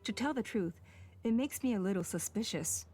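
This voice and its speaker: A woman's voice: medium pitch, expressive, moderate pace, a little mellow, soft background music, lightly acted. A woman playing a cool, calculating tribal official in a video game. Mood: cool, measured. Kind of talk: video game character dialogue.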